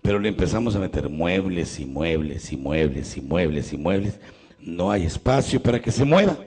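A middle-aged man with a Mexican accent, a Catholic priest preaching a sermon. He swings from loud emphasis to quiet, intimate questions and acts out the people in his stories. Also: low voice, lively intonation, normal speed, husky. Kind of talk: sermon with storytelling.

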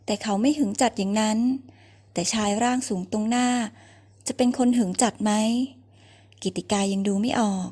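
A woman's voice: mid-range voice, fairly even intonation, moderate pace, warm tone. A woman narrating a romance novel in an audiobook, reading steadily.

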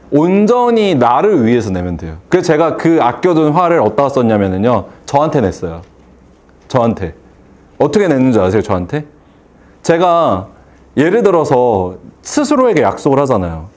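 A hair salon owner delivers a motivational speech to a seated audience, posing rhetorical questions and acting out phone calls. His voice sits in the middle range and sounds slightly mellow.

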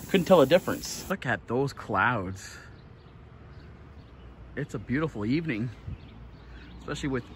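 A man's voice: mid-range voice, slight background noise. Rambling man vlogging on his phone. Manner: chatty, rambling, self-correcting with light laughs. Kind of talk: casual daily vlog to camera. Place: outdoors by a parking lot and indoors on an armchair. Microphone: phone held at arm's length.

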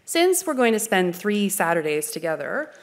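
A woman's voice: medium pitch, big pitch swings. Earnest Canadian woman lecturing on art. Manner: measured, articulate, earnest. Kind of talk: formal lecture. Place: dark stage, indoors.

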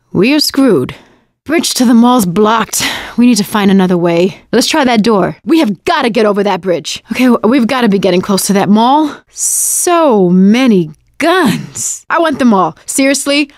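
An actress playing a sassy, wisecracking young woman surviving a zombie apocalypse in a video game, sardonic and expressive. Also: a little high, dry recording, studio quality. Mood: focused, wry, then excited, gleeful. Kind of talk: video game combat barks and quips.

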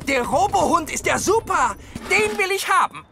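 A woman's voice: extremely high pitch, big pitch swings, normal speed, vocal fry, loud music behind the voice, exaggerated voice. A woman voicing a bratty, greedy schoolboy in a children's cartoon. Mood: gleefully greedy. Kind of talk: animated children's cartoon acting.

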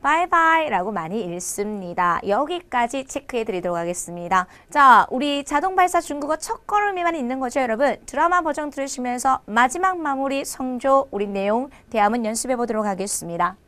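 A woman teaching a Chinese language lesson online, drilling phrases slowly with exaggerated tones. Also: high-pitched, expressive, fairly bright tone.

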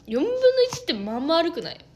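A woman, chatting casually on an idol livestream, excitable and quick to laugh. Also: high-pitched, slight background noise. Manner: giggly, excitable, breaks into laughter. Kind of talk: casual chat.

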